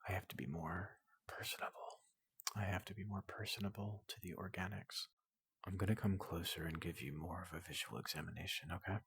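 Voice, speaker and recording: Man playing a breathy, gravelly, low-voiced robot doctor. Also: steady tone, fairly quick, no room sound, heavily acted. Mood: calmly clinical. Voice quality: breathy, gravelly, often dropping into whisper. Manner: gentle, hesitant, soothing, clinically polite. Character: tall, gentle robot doctor examining an organic patient. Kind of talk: soft ASMR roleplay. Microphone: close microphone.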